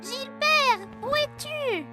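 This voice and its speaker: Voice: very high-pitched, expressive, extremely slow, full character voice. A performer playing a curious, slightly anxious four-year-old boy in a children's cartoon, speaking in short childlike phrases. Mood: worried. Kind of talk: French-language children's cartoon dubbing. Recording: music clearly under the voice.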